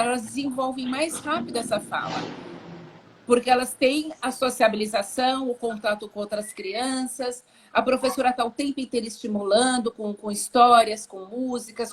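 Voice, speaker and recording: Woman speech therapist, Brazilian accent, patient explainer on a video call, slightly high. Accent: Brazilian Portuguese. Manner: patient, demonstrates words in a singsong child-directed voice. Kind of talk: explanatory talk in a live stream.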